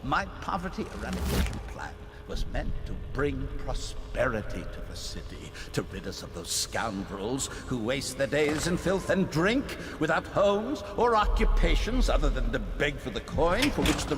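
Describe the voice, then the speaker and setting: Scheming ruler in a game: smug and self-righteous, in a reverberant sound over loud ambient noise , voiced by a man. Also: medium pitch, big pitch swings, moderate pace, lightly acted. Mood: self-justifying.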